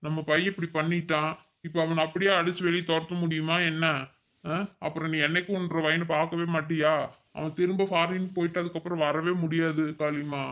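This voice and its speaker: A man voices a middle-aged village father in a cartoon, using a Kongu Tamil accent and a patient, persuasive, consoling manner. His fairly high voice, close to an everyday one, moves little in pitch and runs a little fast, with dull audio.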